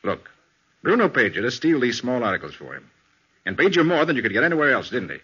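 Shrewd American detective: unflappable, animated intonation, bright forceful edge, dull 1940s radio recording. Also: male voice, medium pitch, husky, full character voice. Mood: probing, assured. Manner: brisk, probing questioner. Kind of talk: 1940s radio crime drama acting.

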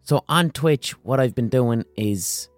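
A hoarse man with an Irish accent hosting a solo podcast, talking passionately, swearing and throwing out rhetorical questions. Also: medium pitch, animated, takes it slowly, no room sound, soft background music. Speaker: podcast host.

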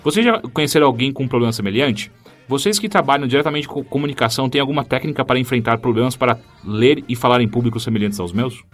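A man's voice: medium pitch, fast talker. A Brazilian man co-hosting a casual podcast, chatting and reading out listener mail. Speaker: podcast co-host. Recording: music behind.

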